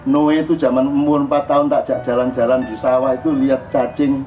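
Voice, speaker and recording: An older man with a Javanese accent giving an informal religious talk, jokey and animated. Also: medium pitch, fairly quick. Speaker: religious speaker. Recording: dull lo-fi recording with faint music.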